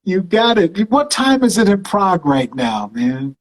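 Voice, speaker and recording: A man's voice: high-pitched, big pitch swings, a little slow, reverberant. A man hosting a live video-call interview, effusive, calling his guest "brother" and "man". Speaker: show host.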